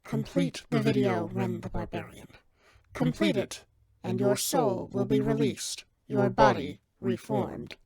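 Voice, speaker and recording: Woman playing an imperious God over loud background din. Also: medium pitch, a little slow, crowd noise, close to an everyday voice. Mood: stern, exasperated. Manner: solemn pronouncements broken by blunt sarcasm. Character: imperious, exasperated God speaking from on high. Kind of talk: comedy skit acting.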